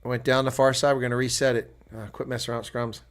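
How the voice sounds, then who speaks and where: Talking fast in a flat, mid-range voice, an American man delivers solo live rugby commentary. He's chatty, offering play-by-play and reactions and addressing viewers as the game goes on.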